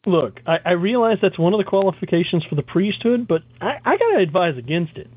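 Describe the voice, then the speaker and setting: Wisecracking male co-host, lively pitch, husky, dry and tinny. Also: brisk, no echo. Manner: wisecracking, sardonic. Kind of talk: casual talk show banter. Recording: tinny phone-like line.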